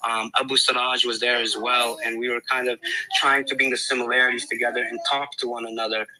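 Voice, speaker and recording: Man with a very bright voice. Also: mid-range voice, little pitch movement, quick pace, rough recording. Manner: supportive, hesitant, many ums and uhs. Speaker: panel co-host. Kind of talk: live-stream panel talk.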